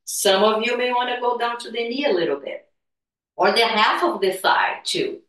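A woman teaching guided meditation and gentle movement in a soothing, unhurried, spiritual healer-like manner. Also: fairly high pitch. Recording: echoey room, distant from mic.

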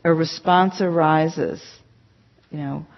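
A woman's voice: low voice, steady tone, slow pace. A woman teacher giving a conversational dharma talk to a class, emphatic and chatty with many "you know" asides. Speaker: meditation teacher. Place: meditation center hall. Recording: dull lo-fi talk recording.

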